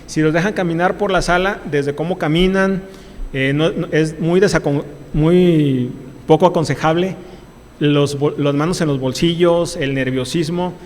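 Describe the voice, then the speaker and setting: A man's voice: a little high, measured pace, darkish tone, long reverb tail. A man with a Mexican accent, a labor lawyer, gives a university lecture in an emphatic, repetitive way, restarting often. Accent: Mexican Spanish. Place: lecture hall.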